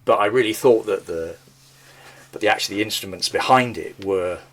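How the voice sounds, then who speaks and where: Low-pitched man explaining his own songs. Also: a little fast, a bit bright, poor audio. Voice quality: thin voice. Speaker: podcast host and songwriter. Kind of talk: casual music discussion.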